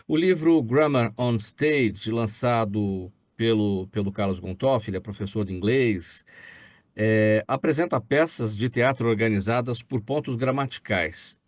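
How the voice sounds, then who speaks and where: A man hosting a talk show, asking slow, rambling questions full of fillers. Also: mid-range voice, no echo. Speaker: host.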